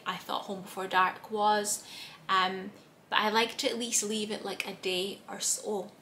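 A young woman with a slightly hoarse voice, chatting to camera as a book vlogger in a small room, rambling with lots of fillers. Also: medium pitch, bright, forceful tone, a little hiss or hum. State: slightly hoarse, clearing throat. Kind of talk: casual chat to camera. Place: small room with bookshelves, indoors.

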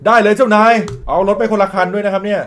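A man's voice: sits high, steady tone, rapid-fire, a bit bright. A man commenting on a horror video game in a joking, crude way, reading the characters' lines aloud and yelping when startled. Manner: jokey, crude, reads out in-game dialogue, yelps when startled. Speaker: gaming YouTuber.

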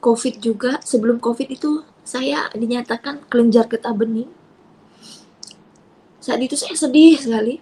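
Husky woman giving a tearful testimony. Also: fairly high pitch, normal speed, long pauses. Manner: tearful, shifting from soft near-whispers to raised outbursts. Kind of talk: emotional personal testimony.

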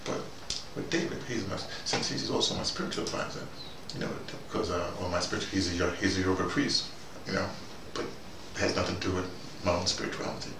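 A man's voice: sits low, quick pace, vocal fry, few pauses. A man playing an easygoing, opinionated intellectual character, rambling and digressing animatedly in a casual monologue. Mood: chatty, fond. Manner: digressive, animated, argumentative, punctuated with "you know". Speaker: vlogger in character. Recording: distant mic, echoey room, loud background noise.

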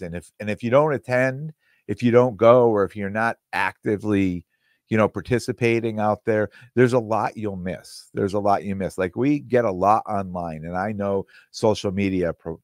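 A middle-aged man hosting his solo podcast, talking in a rambling way with restarts and repeated words, his voice a little hoarse. He speaks close into a studio mic on a boom arm. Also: dry recording. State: slightly hoarse, losing his voice. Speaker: podcast host. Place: small room with green-screen backdrop. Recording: dry close-miked sound.

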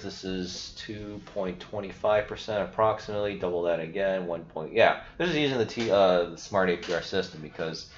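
A young man talks through a screen share in a loose, chatty way, filling gaps with "you know" and "all right". His voice sits a bit low. The sound is roomy and dull, like a basic desk setup in a small room. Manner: chatty, filler-heavy, explaining as he goes. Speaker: crypto video host. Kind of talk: casual screen-share walkthrough.

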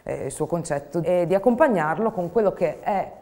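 Low-voiced woman in her thirties. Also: expressive, fairly quick, dark tone. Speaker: theatre artist presenting her company's work. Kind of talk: reflective interview to camera. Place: dark indoor studio.

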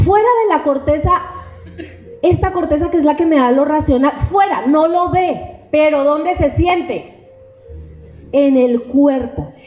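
A woman psychologist with a Colombian accent giving a lecture to teachers in an expressive way, acting out the voices she quotes. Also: sits high. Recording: roomy, dull hall sound.

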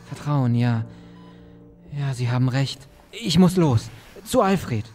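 Drama role: troubled, distracted brother, mellow voice, music underneath. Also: male voice, mid-range voice, lively intonation, takes it slowly. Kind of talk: audio drama acting.

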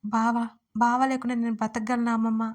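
A woman's voice: fairly high pitch, level tone, moderate pace, close to an everyday voice. A woman voicing a tearful young woman. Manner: pleading, tearful.

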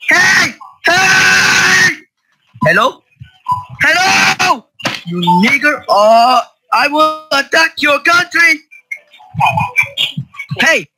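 A man making prank calls on a group voice chat, talking casually in a crude, halting way full of swearing. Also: very high-pitched, bright, forceful tone, rough recording. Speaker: prank caller. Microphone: computer mic on an online voice call.

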